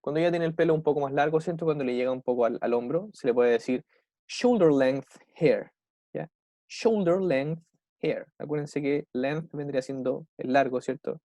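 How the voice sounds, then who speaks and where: A young adult man with a Chilean Spanish accent, teaching an English class online. He keeps checking in with his students and slows right down to model English phrases. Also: fairly high pitch, mellow, dry recording, muffled recording. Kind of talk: online class explaining vocabulary.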